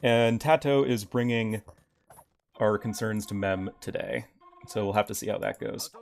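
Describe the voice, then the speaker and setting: A man's voice: fairly low pitch, fairly even intonation, measured pace, gravelly, faint music behind. A young man casually commentating a strategy game on his live stream, chatting with his viewers. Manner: casual, chatty, reacts to chat. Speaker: game caster.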